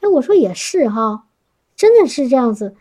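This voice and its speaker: A woman's voice: high-pitched, sing-song, moderate pace, mellow. A woman speaking to a congregation, sharing a personal testimony in an earnest, chatty way with frequent restarts. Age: adult working professional.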